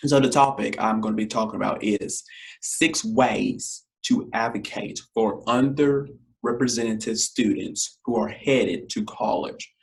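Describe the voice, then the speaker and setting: A young man hosts an education podcast in a scratchy, deep, hoarse voice. He talks casually and directly to parents and students, repeating his key points and calling them y'all. He records on a webcam in his living room at home. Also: measured pace. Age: young adult. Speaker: podcast host.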